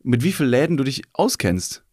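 A man co-hosting a casual comedy podcast, tossing out dry, teasing, deadpan comebacks. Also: medium pitch, brisk, no echo. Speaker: podcast co-host.

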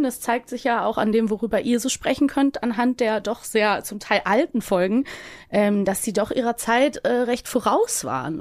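A woman's voice: medium pitch, no room sound. A woman guest talking casually in a podcast discussion.

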